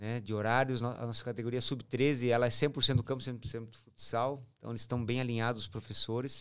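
A man's monotone, flat voice at a moderate pace against a quiet background. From southern Brazil (Paraná), born in Uruguay. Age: 40s. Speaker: football agent and former pro player; podcast guest, football coach. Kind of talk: interview. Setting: studio. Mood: calm, reflective. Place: studio. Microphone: studio mic.

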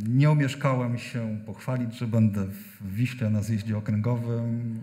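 A man talks at a fairly slow pace with a dark, mellow tone. His intonation is fairly even against a quiet background. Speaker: visiting pastor. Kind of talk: sermon greeting to congregation. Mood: warm, light-hearted. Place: church. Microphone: podium.

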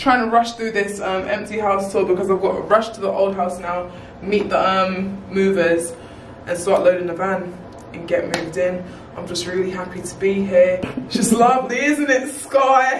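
A woman talks at a moderate pace with ordinary pitch variation and big swings in loudness. Light background noise and audible room echo are present. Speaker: vlogger. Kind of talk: casual vlog chat. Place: empty room.

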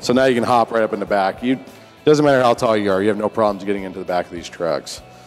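Over faint background music, a man talks at a very fast pace with fairly even intonation. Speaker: dealership salesperson. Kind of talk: product walkaround presentation. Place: garage.

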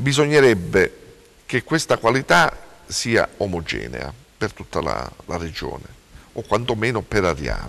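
The speaker is a man with a fairly low pitch. His pitch swings very widely. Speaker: agricultural engineer, olive growers' association technical director; guest. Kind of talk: TV interview. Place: studio. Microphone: lapel.

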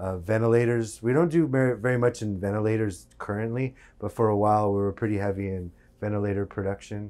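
Fairly quick and fairly even in intonation, a man's fairly low, ordinary speaking voice. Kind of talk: tour guide explanation. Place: office. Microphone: lapel.

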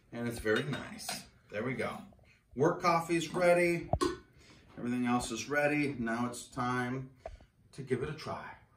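Against noticeable background noise, a man speaks at a moderate pace with ordinary pitch variation and long, frequent pauses. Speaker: home coffee reviewer. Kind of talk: casual tasting commentary. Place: kitchen. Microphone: camera far.

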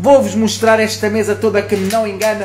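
A man talks at a fairly quick pace. There is light background noise behind him. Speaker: chef hosting live stream. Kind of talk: casual live stream chat. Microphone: phone near.

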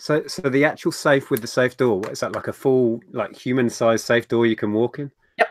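A man with a British accent, fairly quick in pace and fairly even in intonation. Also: medium pitch for a man. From UK. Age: 40s. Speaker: YouTuber and reseller; YouTuber, reseller. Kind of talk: casual chat. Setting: video call. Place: office. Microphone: webcam.

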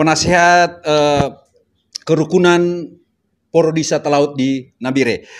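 A man is talking. His pitch rises and falls in an ordinary way. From North Sulawesi. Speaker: video channel host interviewing migrants. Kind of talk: casual interview chat. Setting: restaurant. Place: home room. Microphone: lapel.

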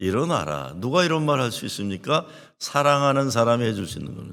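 A man speaks with vocal fry. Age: old. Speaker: pastor. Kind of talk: sermon.

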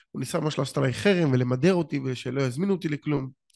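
Against a quiet background, a man is speaking. He talks at a very fast pace with lively intonation. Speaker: podcast host. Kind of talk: casual chat.

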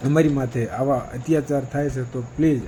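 A man's voice over noticeable background noise. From Gujarat, India (Rajkot district, Saurashtra). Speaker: community activist. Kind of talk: public appeal / protest call. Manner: impassioned.

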